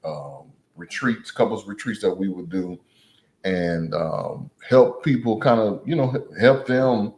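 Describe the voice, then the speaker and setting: A man's voice: lowish voice, expressive, measured pace, darkish tone. A man co-hosting a podcast in casual chat, easygoing, laughing often and repeating his phrases. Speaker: podcast co-host.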